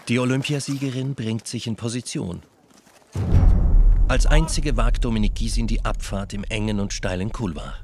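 A man giving calm, measured scripted narration for a documentary, recorded as a studio voice-over. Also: mid-range voice, noisy background.

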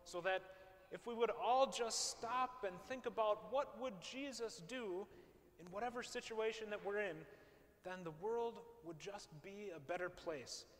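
High-voiced pastor preaching in a reverberant church. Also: male voice. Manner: measured preaching with rhetorical questions. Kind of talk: sermon. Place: large church sanctuary, preaching from a pulpit. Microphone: far camera, pulpit mic. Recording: long church reverb, faint hiss.

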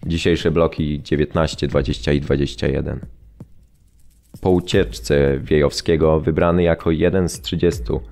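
Male, extremely deep, monotone, restrained survivor testimony, music underneath. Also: moderate pace, creaky, a little hiss or hum. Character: restrained male camp survivor recounting his ordeal. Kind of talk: dramatic reading of prisoner testimony in an audio drama. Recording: studio voice over background music.

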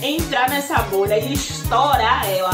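A woman's voice: on the high side, unhurried. A woman, introducing herself in an upbeat, self-promoting audition video. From Salvador, Bahia. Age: 40s. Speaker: reality show applicant. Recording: echoey room with loud music.

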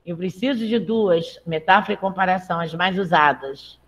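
A woman's voice: lowish voice, normal speed, breathy edge, dull audio. A woman teaching a live online Portuguese lesson, chatty and encouraging, often checking in with her students.

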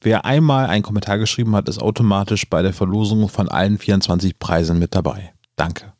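A man's voice: on the low side, brisk, darkish tone, no echo, clean studio sound. A man making an informal scripted announcement for a podcast.

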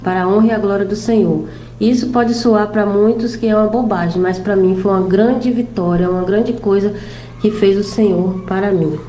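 Woman giving a grateful testimony message, mellow dark voice, echoey room, bit of noise. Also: mid-range voice, fairly even intonation, moderate pace. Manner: grateful, earnest. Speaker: church member giving a testimony.

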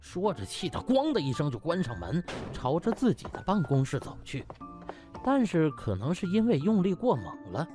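A man's voice: on the high side, wildly swooping pitch, normal speed, mellow, soft background music. A man narrating a comic audiobook in a theatrical, dramatized storytelling style. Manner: theatrical, uses sound words and exclamatory particles.

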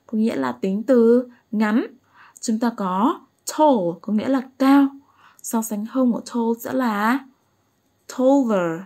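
Slow, patient woman teaching English. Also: on the high side, darkish tone. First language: Vietnamese. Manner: patient, keeps asking "right?" to check understanding. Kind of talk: slow explanatory lesson.

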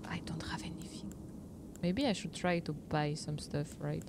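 A woman's voice: moderate pace, vocal fry, in a whisper. A young woman with a French accent, chatting playfully with viewers while streaming a game, often giggling. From France. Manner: playful, bursts into giggles, swings high when protesting. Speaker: VTuber streamer. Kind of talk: casual gameplay chat with viewers.

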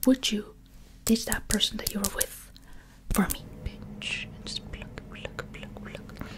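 A woman's voice: medium pitch, steady tone, measured pace. A woman in her twenties whispering a chatty, playful ASMR roleplay up close to the microphone. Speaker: ASMR video creator.

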